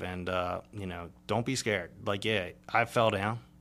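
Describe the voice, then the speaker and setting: An American-accented man at a moderate pace, fairly low-pitched, with monotone, flat intonation. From southeastern Pennsylvania. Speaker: firefighter and small business owner. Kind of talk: casual interview.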